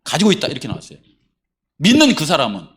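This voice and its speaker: A man's voice: a little high, fast. A middle-aged male pastor giving a conversational sermon in a church, asking the congregation questions as he talks. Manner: conversational, animated preaching with rhetorical questions to the congregation. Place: church sanctuary.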